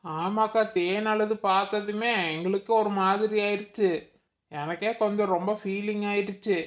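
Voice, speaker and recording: A man voicing a chatty, homely young village woman in a cartoon, complaining and explaining in a relaxed family way. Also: high voice, normal speed, lightly acted. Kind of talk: cartoon voice acting. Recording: dull lo-fi recording.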